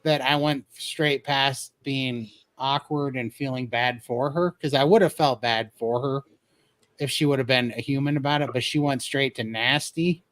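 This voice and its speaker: A man's voice: medium pitch, fairly even intonation, moderate pace, a bit bright, rough recording. A man casually telling a funny story about himself, laughing often as he goes. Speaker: guest telling his weight-loss story.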